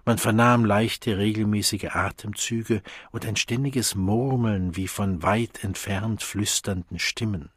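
Rauchiger Hörbuch-Erzähler. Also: male voice, on the low side, steady tone, dry recording. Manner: measured, clear reading. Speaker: narrator. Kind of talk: audiobook narration.

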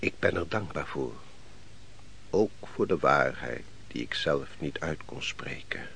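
A brooding nobleman of a fallen kingdom in a radio play. His voice is very low and gravelly, and he declaims slowly and solemnly. A faint noise lies over the old recording. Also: expressive, a bit bright, exaggerated voice. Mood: resigned. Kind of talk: theatrical Dutch radio play acting.

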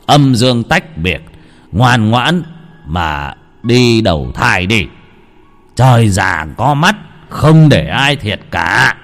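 A man's voice: lowish voice, big pitch swings, fairly bright tone, heavily acted. Man doing a stern old shaman. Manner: stern, commanding, slow. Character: stern older male village shaman. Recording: long hall reverb, faint music.

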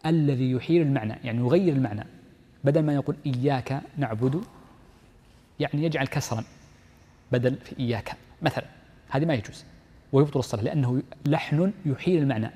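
A sheikh giving a fast-paced classroom lesson in a warm, slightly husky voice, reading lines from the book and then explaining them with frequent repetition. His voice carries a long reverb from a large lecture hall. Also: medium pitch. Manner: explains step by step, repeats key phrases, reads the text aloud then comments. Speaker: sheikh teaching Islamic jurisprudence.

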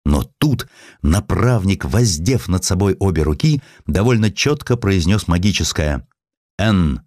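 A man's voice: sits low, darkish tone, no room sound, clean studio sound. A man reading a literary story as an audiobook narrator, in a theatrical, dramatic storytelling style.

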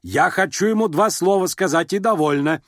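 A man voicing an imperious, sharp-tongued middle-aged noblewoman and mother, scolding and abrupt, in an audiobook. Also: high voice, normal speed, no echo, studio quality, pitched above the performer's own voice, natural voice. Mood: irritated. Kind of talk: audiobook character reading.

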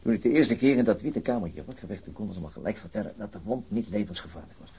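A middle-aged wounded policeman in a radio drama, gloomy and wry. His low voice is very husky and full of gravelly creak. He speaks in a subdued, weary, hesitant way, with a sardonic edge. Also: animated, fast talker, mellow, full character voice. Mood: wry, resigned. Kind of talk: naturalistic radio play acting.

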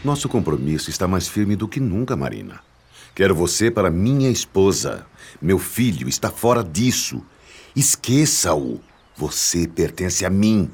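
A man's voice: deep voice, very animated, a little slow, darkish tone, husky, exaggerated voice. An actor with a Brazilian accent playing a possessive, menacing, mocking father-in-law in a radio soap opera. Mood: possessive, insistent. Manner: domineering, mocking, theatrical. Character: possessive, menacing older father-in-law obsessed with a young woman.

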